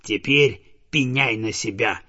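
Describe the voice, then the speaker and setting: A man's voice: mid-range voice, slow pace, pushed and bright. A man voicing a grumpy old chained farm dog that barks and threatens. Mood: threatening. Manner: barking, gruff, threatening. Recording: dull lo-fi recording.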